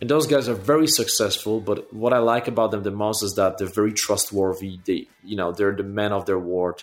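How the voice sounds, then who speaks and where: In a Polish accent, a man with a fairly low pitch talks at a fairly quick pace with ordinary pitch variation. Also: hardly any pauses. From Poland. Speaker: online entrepreneur and traveler. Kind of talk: interview. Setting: remote call.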